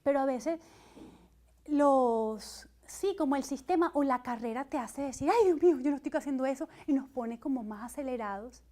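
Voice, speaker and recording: Woman preacher, high voice, earnest and conversational, slips into quoted voices. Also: normal speed, dark tone. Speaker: speaker at a church gathering. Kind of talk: sermon-style teaching talk.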